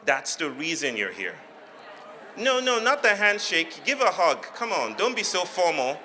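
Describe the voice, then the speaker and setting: A guest lecturer from Lagos, Nigeria, speaks with a Nigerian accent in a large hall before an audience, telling stories with humour in a reflective, playful manner, using measured phrases and dramatic pauses. His voice is on the high side, sing-song, pushed and bright. The echoey hall adds long reverb, plus a little hiss or hum.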